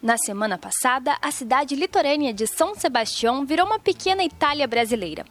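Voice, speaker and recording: A woman reporter narrating a news segment in a measured, formal delivery. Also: high-pitched, animated, no echo.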